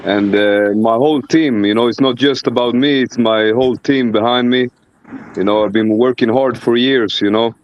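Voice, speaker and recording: A boxer from Sweden, a man who speaks haltingly with many fillers, thanking his team as a guest. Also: medium pitch, steady tone, dull audio. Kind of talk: guest interview.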